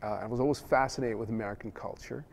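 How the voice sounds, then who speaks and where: A man's voice: mid-range voice, fast, a little hiss or hum. Rambling middle-aged Dutch-born man. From Netherlands. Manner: rambling, many restarts and "you know". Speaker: film director. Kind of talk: casual interview answers.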